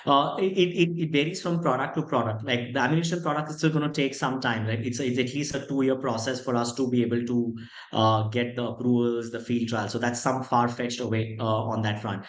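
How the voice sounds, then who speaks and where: A man's voice: medium pitch, steady tone, brisk. Indian man in echoey room, explaining. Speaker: company executive answering investor questions. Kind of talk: conference call question and answer. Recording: echoey room on conference call.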